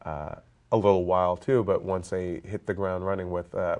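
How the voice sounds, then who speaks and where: A man's voice: deep voice, flat delivery, moderate pace, darkish tone. A stuffed-up man hosting a movie podcast, chatting casually and joking around with lots of fillers. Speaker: podcast host. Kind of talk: casual roundtable chat.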